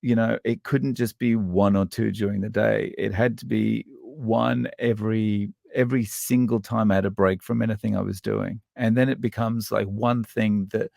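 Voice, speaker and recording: A man with an Australian accent, a guest in a casual interview, talking in a halting, thoughtful way with frequent restarts and fillers. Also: on the low side, fairly even intonation, gravelly, a little mellow, no echo, studio quality.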